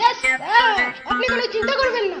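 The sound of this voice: Fast and bright, sharp in tone, the cartoonish character voice makes big pitch swings while faint music plays in the background.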